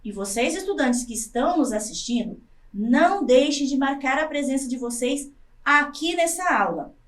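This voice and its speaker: A Brazilian Portuguese-speaking woman teaching a recorded lesson for adult learners, slowly sounding out syllables one by one. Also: high-pitched, animated, recorded from a distance. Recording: echoey room, voice off-mic.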